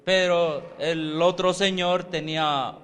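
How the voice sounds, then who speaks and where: High-voiced man interpreting a sermon. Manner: quick, animated translating with fillers and self-corrections.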